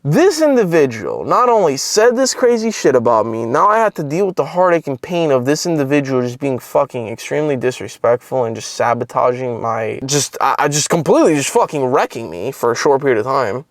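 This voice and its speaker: A man's voice: mid-range voice, sing-song, brisk, few pauses, dry recording, studio quality. A young man who makes online content telling a personal story in a casual, rambling way, swearing often and leaning on filler words. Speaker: content creator.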